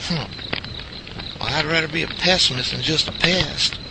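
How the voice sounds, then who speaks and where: High-pitched backwoods hillbilly. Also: male voice, normal speed, gravelly, very noisy. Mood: doubtful. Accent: rural Southern US. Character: high-voiced excitable backwoods country sidekick. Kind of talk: audio drama acting.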